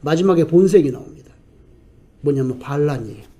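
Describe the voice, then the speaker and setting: A pastor delivers a sermon, posing rhetorical questions to the congregation and answering them himself, shifting between loud emphasis and quiet asides. His voice sits on the high side, runs a little fast, and the recording's highs are cut off.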